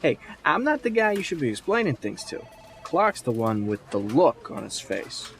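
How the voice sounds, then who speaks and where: Joking cop, high-pitched, creaky, sardonic, very lively intonation, audio drama. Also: male voice, normal speed, a little hiss or hum. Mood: wry. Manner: sardonic, animated. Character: wisecracking, teasing male police colleague. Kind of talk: full-cast audio drama acting.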